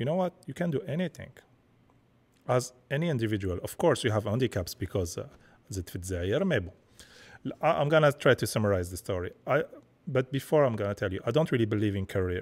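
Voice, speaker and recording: Very fast and broken by long, frequent pauses, a man with an Algerian accent speaks at a medium pitch. His pitch swings very widely over a very clean recording with a silent background. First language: Algerian Arabic. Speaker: digital artist and animator. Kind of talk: casual chat.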